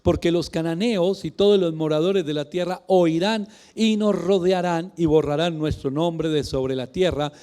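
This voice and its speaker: A man's voice: on the high side, normal speed, few pauses, warm tone, clean tone. A male pastor with a Colombian Spanish accent, preaching a sermon with emphatic rhetorical questions. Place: radio studio.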